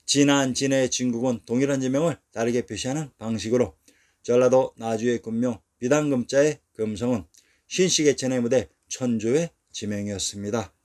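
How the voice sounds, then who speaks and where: A man reads a history narration from a script at a steady, measured pace. His voice sits in an ordinary middle pitch. He counts off place names one at a time and drops lower and quieter at the end of each sentence. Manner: measured reading, falling and quieter at sentence ends.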